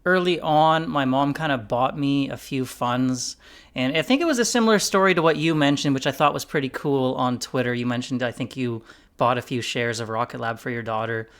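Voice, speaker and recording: A man's voice: mid-range voice, a little fast. Easygoing man chatting about investing. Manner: relaxed, rambling, lots of "like" and "you know". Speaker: investing YouTuber host. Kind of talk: casual podcast conversation.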